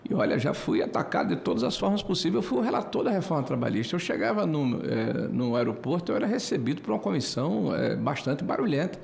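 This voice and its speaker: A man in his sixties giving a committee floor speech, hesitant with many filler pauses, building to emphatic indignation. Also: fairly high pitch, very animated, gravelly, a little mellow. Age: 60s. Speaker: senator. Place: senate committee room.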